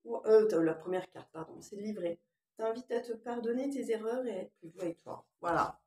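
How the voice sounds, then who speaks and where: A woman with a slight lingering cough gives an informal spiritual card reading in a roomy, echoey space. She alternates between reading messages aloud and musing hesitantly in loose asides, at a middling pitch. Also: a little fast, a little mellow. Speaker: oracle card reader.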